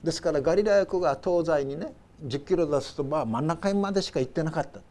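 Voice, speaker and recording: A male pastor preaching a Sunday sermon in a storytelling way, acting out the cries of the people he tells about and dropping to soft low asides at the ends of phrases. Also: fast talker.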